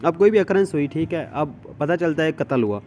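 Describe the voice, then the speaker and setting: Pakistani man lecturing, higher-pitched voice, background noise. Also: lively intonation, moderate pace, a little mellow, dull audio. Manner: repetitive, explains with everyday examples and frequent check-ins. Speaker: law lecturer. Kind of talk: explanatory lecture, reading out English text and explaining it informally.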